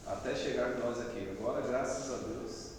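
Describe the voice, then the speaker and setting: A man's voice: medium pitch, fairly even intonation, normal speed, a little mellow. Brazilian guy, hesitant questioner, tags everything, long reverb far back. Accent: Brazilian Portuguese. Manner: tentative, ends phrases with tag questions. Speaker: student asking questions. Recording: distant, echoey room with faint noise.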